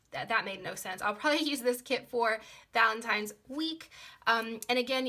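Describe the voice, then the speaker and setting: A young woman chatting casually through a planner sticker haul, gushing and repeating words, her voice slightly hoarse from being sick. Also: a little high, bright, forceful tone. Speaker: planner vlogger.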